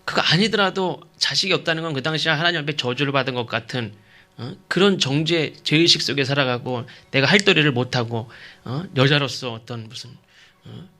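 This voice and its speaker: Fairly quick and sharp-toned at a medium pitch, a man delivers a sermon as pastor. He stresses his points through rhetorical questions and regularly checks in with the congregation.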